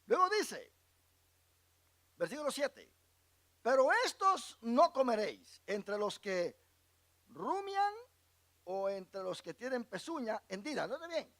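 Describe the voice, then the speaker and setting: A man's voice: very high-pitched, sing-song, takes it slowly, long pauses, fairly bright tone. A male pastor teaching a Bible class, reading verses aloud and asking the congregation questions for them to answer. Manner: asks the congregation questions and lets them fill in words; reads scripture verses aloud and explains them.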